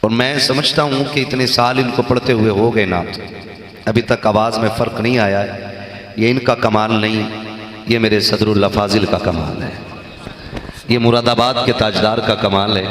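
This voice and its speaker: A man preaches to a live crowd, teasing them and leading call-and-response slogans. His voice is bright and cutting, and it rings through a big echoey hall over a PA. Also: fairly low pitch. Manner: banters with the crowd and calls out slogans for them to answer. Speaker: religious speaker. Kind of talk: sermon to a live gathering.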